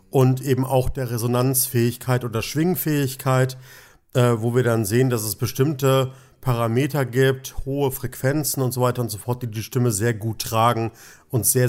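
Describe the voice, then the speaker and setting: A man teaching about the voice and singing technique in a lively explanatory lesson, stretching words and varying his pitch for emphasis.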